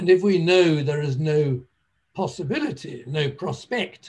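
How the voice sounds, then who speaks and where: This man talks fairly slowly in a fairly high pitch with a southern British accent. His pitch varies in an ordinary way, and vocal fry comes through. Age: 70s. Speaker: neurosurgeon. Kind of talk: lecture.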